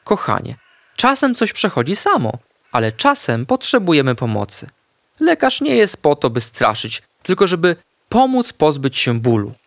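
A man voicing a gentle, caring mother dog in a soft, soothing, reassuring tone for a storybook. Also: on the high side, wildly swooping pitch, moderate pace, vocal fry, no echo, clean studio sound, voice pushed up, full character voice. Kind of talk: storybook character voice.

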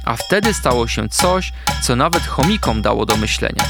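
A man narrating a children's storybook in an animated, expressive way. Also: medium pitch, normal speed, vocal fry. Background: background music.

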